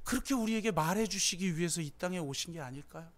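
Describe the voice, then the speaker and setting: A middle-aged man preaching a sermon as pastor, telling stories emotionally, moving from hushed tones to impassioned pleas. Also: sits high, animated, quick pace.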